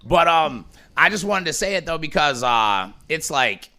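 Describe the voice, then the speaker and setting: Bright-voiced male podcast host. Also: a little high, a little slow. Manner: rambling, filler-heavy, animated. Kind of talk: casual conversation.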